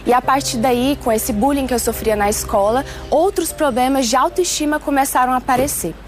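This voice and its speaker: A woman in her twenties from Switzerland recounts her own story in an earnest, measured testimony. Her voice sits a little high, and gentle music plays faintly underneath. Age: 20s. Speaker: testimony speaker. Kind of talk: personal testimony.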